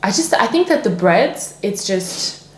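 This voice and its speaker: A woman's voice: medium pitch, very animated, a little slow. A young woman, French her first language, chatting casually as a podcast guest with many fillers and restarts. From France. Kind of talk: casual interview chat. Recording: echoey room.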